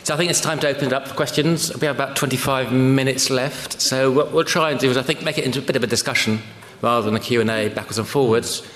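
A man's voice: mid-range voice, fairly even intonation, quick pace, hardly any pauses, fairly bright tone. A man chairing a public talk, opening the floor to questions in an easygoing way. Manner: easygoing, brief prompts. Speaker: event chair. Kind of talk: moderating audience questions. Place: lecture hall. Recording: echoey hall with faint noise.

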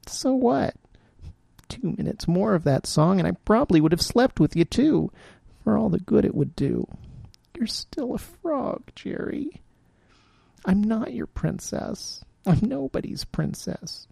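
A weary trans woman, tearful and self-mocking, as a male reader puts her on in a raised voice. The tone stays husky and gravelly, close and dry. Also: sing-song, measured pace, warm tone, dry recording, full character voice. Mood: miserable. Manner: raised pitch, tearful, wry.

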